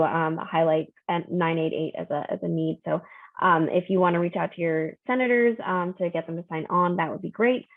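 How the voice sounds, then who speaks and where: A woman giving quick federal updates in an online meeting, hurrying through with many fillers. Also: lowish voice, dry recording, phone-quality sound. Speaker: advocacy staffer.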